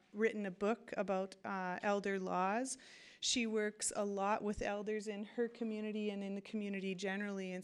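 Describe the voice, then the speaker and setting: A woman moderating a conference, introducing the panel admiringly with frequent pauses and fillers. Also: mid-range voice, clean tone. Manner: warm, admiring, hesitant with fillers. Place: lecture hall at a law school.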